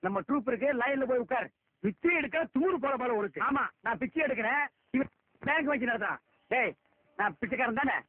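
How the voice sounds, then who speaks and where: அ திட்டிக் கேலி செய்யும் உயர் குரல் ஆண், பழைய டப்பா ஒலிப்பதிவு. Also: male voice, extremely high pitch, lively intonation, fairly quick, dry recording. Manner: scolding, mocking insults. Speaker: comic film actor. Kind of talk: film comedy scene. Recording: tinny lo-fi film audio.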